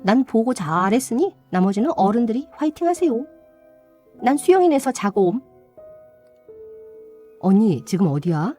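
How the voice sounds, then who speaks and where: A woman's voice: fairly high pitch, very animated, normal speed, pauses often, mellow, faint music behind. A woman acting a chatty, tattling younger relative in radio drama style. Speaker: storyteller voicing a gossiping younger relative.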